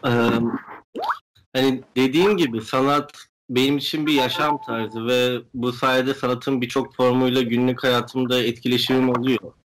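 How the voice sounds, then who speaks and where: Speaking from home over a video call, a young guest artist answers interview questions about his work and views. His mid-range voice is fairly bright, with little pitch movement and a normal speed. The video call mic makes for a rough recording with a little hiss or hum.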